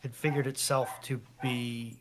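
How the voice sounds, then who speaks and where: Man explaining things in halting, deliberate phrases. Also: mid-range voice, flat delivery, noisy background. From United States. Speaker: live stream co-host. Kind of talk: casual technical explanation.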